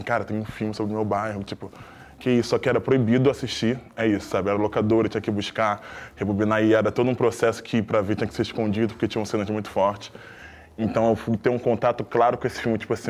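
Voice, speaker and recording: A man co-hosts a panel and talks quickly in a loose, chatty way. His voice sits fairly low. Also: level tone. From Rio de Janeiro, Brazil. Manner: rapid, loose and conversational. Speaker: actor and co-host. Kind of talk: casual panel talk.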